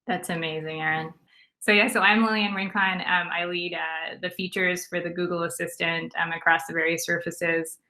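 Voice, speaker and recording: Woman, from Venezuela, low flat voice, bright tone, panel intro, frequent ums. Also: moderate pace. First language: Spanish. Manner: reflective, with many ums and uhs. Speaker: panelist, product lead.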